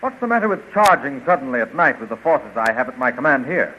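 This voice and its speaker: A man's voice: mid-range voice, expressive, fast talker, close to an everyday voice. An actor playing a bold, impulsive hero king with eager, declarative delivery in a 1930s radio serial. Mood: determined. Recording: muffled, noisy 1930s radio recording.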